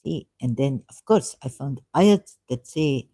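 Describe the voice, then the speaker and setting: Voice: mid-range voice, animated, a little slow, dark tone. A vlogger talking in an unscripted monologue about religious texts, rambling and hesitant, often stopping and restarting and asking rhetorical questions.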